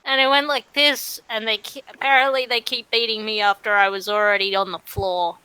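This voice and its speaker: A woman voicing an aggrieved teenage adventuring-school student in a tabletop game, complaining earnestly and haltingly. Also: on the high side, steady tone, pushed and bright, clear, resonant tone, no room sound, poor audio. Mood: pleading.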